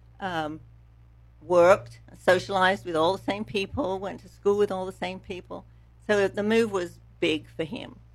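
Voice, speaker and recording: A woman at medium pitch with a slight English accent, moderate pace, fairly even intonation and big swings in loudness. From England. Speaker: massage therapist and fitness trainer. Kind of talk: interview testimony.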